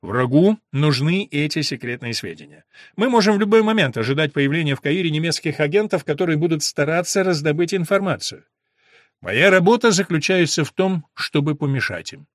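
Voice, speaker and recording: Stern humorless army major voiced by a man, crisp soft speech, dry close sound. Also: fairly high pitch, lively intonation, fairly quick, dry recording, lightly acted. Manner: clipped, soft, serious.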